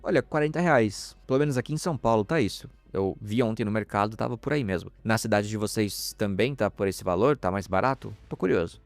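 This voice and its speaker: A man's voice: fairly low pitch, a little fast, gravelly, hardly any pauses, no echo, soft background music. A man from Chile hosting a news podcast, talking in a chatty way and making asides to his listeners.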